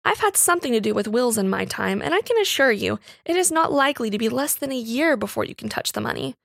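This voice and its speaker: Female narrator as Victorian gentleman employer, genteel, measured wording, amused condescension, storybook dialogue, dry recording. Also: a little high, big pitch swings, vocal fry, dry recording, heavily acted. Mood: reasoning, advising. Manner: formal, reasoning, gently condescending.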